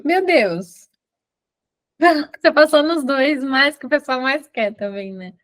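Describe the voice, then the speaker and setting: A woman's voice: sits high, lively intonation, slow pace, fairly bright tone. A woman hosting a casual interview, enthusiastic and exclamatory in her reactions. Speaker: interview host.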